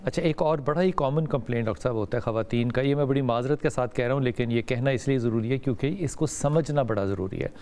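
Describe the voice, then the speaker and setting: A man's voice: mid-range voice, quick pace, few pauses, darkish tone. A man with a Pakistani Urdu accent hosting a live call-in health talk show, often breaking in with short agreeing interjections.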